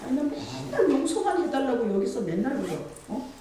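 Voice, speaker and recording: A woman's voice: high voice, sing-song, brisk, dark tone, slight background noise. Woman pastor, chatty emphatic sermon, echoey hall, mic set back from her. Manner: conversational preaching, acts out dialogue with God, rising to emphatic. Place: church sanctuary. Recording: echoey church from a distance.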